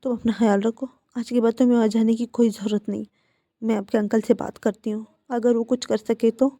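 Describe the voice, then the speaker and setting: Woman voicing a protective aunt, worried, loud, soothing, high, storybook figure. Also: little pitch movement, fairly quick, dry recording, clean studio sound. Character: caring, protective aunt, middle-aged woman.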